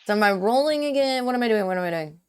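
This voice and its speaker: A woman's voice: on the high side, animated, racing, darkish tone, clean tone. A woman chatting casually as a player in a tabletop role-playing game.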